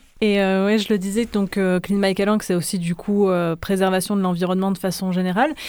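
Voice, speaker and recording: It is a normal speaking voice from a woman with medium pitch and fairly even intonation. She talks at a fairly quick pace with very even loudness and hardly any pauses. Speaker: radio host, interviewer. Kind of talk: casual radio interview. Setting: radio studio.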